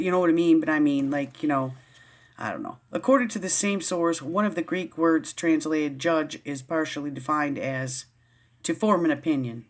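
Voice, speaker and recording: Woman vlogger, casual read-aloud with riled, rambling asides. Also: low voice. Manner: rambling, easily riled, many restarts. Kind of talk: casual reading and commentary.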